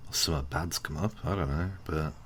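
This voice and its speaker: A man playing a laid-back, kind, teasing male friend in an ASMR roleplay, chatting casually and haltingly to the listener. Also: very deep voice, background noise. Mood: awkward, let down. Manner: hesitant, halting, colloquial, with sighs and soft chuckles.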